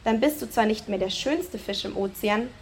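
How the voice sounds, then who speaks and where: A woman's voice: mid-range voice, moderate pace, slight background noise, natural voice. A woman as a wise old octopus. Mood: solemn. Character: wise old male octopus in a reef cave.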